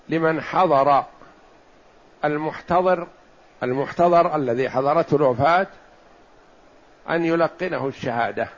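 Gravelly high-voiced man teaching. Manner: measured explanatory delivery, slows to stress points. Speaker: Islamic scholar teaching hadith commentary. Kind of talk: religious lesson. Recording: dull lo-fi recording.

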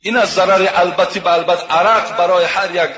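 A man preaching, his voice high-pitched and ringing bright. He retells moral stories in a sermon, tagging lines again and again with "he says." The sound is dull and lo-fi, with a long reverb from a large, echoey hall. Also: fairly even intonation. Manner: retells tales, repeating "he says" often. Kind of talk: sermon with storytelling.

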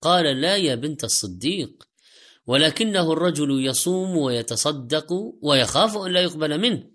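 A man's voice: a little high, lively intonation, moderate pace, fairly bright tone. A man delivering a religious sermon in formal standard Arabic, exhorting listeners with rhetorical questions and repeated direct appeals. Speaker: preacher.

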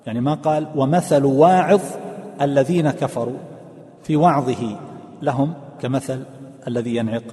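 A man teaching a religious lesson on scripture, explaining it step by step, asking his listeners questions and reading quotes slowly. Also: mid-range voice, steady tone, dark tone. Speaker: Quran tafsir teacher. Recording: long hall reverb.

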